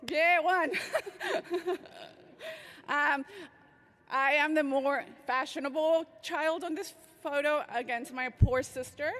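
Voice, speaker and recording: A woman's voice: sits high, slow pace, pauses often, fairly bright tone. A woman from Mexico giving an invited conference talk, speaking with frequent fillers and false starts. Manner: hesitant, many fillers and restarts. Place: large conference hall. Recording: echoey large hall.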